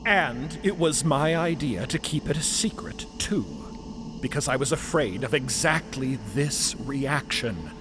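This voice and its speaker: An actor playing an earnest, newly self-aware man in an audio drama, speaking in an assured, deliberate way. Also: mid-range voice, lively intonation, natural voice. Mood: firm, assured. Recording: noisy ambient sound bed behind voice.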